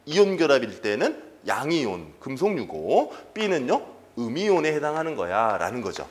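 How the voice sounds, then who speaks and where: Prepping students for an exam, a chemistry teacher keeps throwing rapid rhetorical questions at the class, then supplies the answers. His pitch is fairly high.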